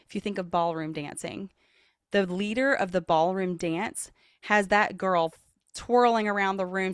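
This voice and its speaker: Expressive woman voice coach, dry sound. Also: dry recording. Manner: expressive, demonstrates voices with big pitch jumps; earnest, motivational. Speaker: vocal leadership coach, podcast guest. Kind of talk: podcast interview.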